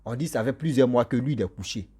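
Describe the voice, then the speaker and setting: A man's voice: mid-range voice, quick pace, mellow, breathy edge. A man telling a ghost story casually, laughing often and acting out the people in it.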